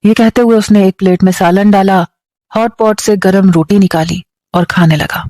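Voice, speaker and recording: This medium-pitched storyteller, a woman with a Pakistani Urdu accent, delivers a dramatic story with steady, emotive narration. No echo can be heard.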